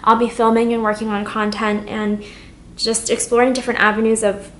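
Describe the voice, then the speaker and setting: Young woman, beauty vlogger, chatty makeup monologue, candid, rambling, fairly high voice, home camera mic. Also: level tone, brisk, a bit bright, echoey room, slight background noise. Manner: rambling and candid, getting emotional at times. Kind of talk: chatty get-ready-with-me vlog.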